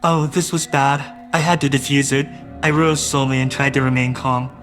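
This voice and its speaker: A man's voice: mid-range voice, little pitch movement, normal speed, a bit bright, faint music behind. A man narrating a first-person audio drama in a wistful, doting way that grows uneasy.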